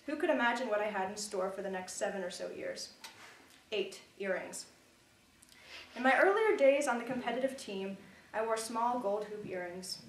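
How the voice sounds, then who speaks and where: A woman's voice: mid-range voice, lively intonation, normal speed, slight background noise. A young woman, a college student, reading her own wry prose aloud at a literary reading. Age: young adult. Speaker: student reader. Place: reading event room. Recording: echoey room, voice from a distance.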